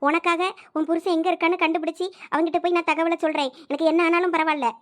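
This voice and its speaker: A woman's voice: extremely high pitch, level tone, fast. A woman doing a kindly old servant woman. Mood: reassuring. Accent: Thoothukudi Tamil. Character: older female servant, kind and protective.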